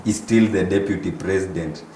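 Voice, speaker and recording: A man, speaking as a panel guest in a political discussion, halting and repeating words. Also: low-pitched, dark tone. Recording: echoey room with faint noise.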